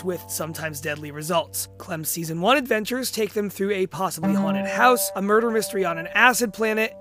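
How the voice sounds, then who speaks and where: A man's voice: high-pitched, a bit bright. A man presenting a podcast in scripted promotional narration, over music. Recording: music under the voice.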